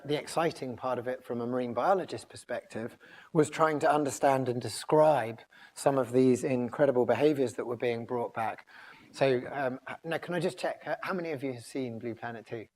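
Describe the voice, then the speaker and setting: A man's voice: medium pitch, darkish tone. A scientist with an English accent giving a public lecture while losing his voice, talking in a loose, conversational way with many ums and restarts. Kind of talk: public talk. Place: lecture room.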